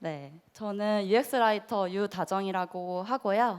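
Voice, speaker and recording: Here a woman talks at a medium pitch. The recording is very clean, with a silent background. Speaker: UX writer, conference speaker. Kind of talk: conference talk. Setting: stage with audience. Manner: teacher-like.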